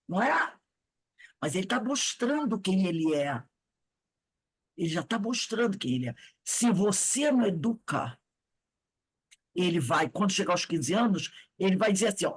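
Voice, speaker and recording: A woman's voice: mid-range voice, husky. A woman in her sixties with a Brazilian Portuguese accent, giving an informal lecture to a study group in a chatty storytelling way and acting out the voices she quotes.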